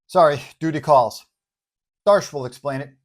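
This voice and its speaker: A man's voice: fairly high pitch, moderate pace, close to an everyday voice. A man voicing a confident, well-meaning superhero who talks in a breezy, colloquial way in an audio story. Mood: brisk, bold.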